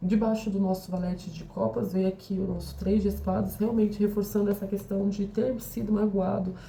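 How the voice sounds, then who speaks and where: A soft-spoken woman with a dark, mellow tone and vocal fry talks with hardly any pauses and fairly even intonation, and audible room echo surrounds her. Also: medium pitch for a woman, moderate pace. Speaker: tarot reader. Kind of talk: tarot reading monologue. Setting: at home at night. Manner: speaking softly, late at night.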